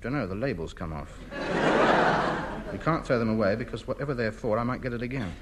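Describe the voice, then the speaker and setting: A man's voice: mid-range voice, lively intonation, fairly quick, natural voice. An actor playing a pompous, self-important man in a 1950s radio sitcom, blustering and grandiloquent. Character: pompous, self-important middle-aged man hoarding junk. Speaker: comedy lead. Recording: noisy old radio broadcast.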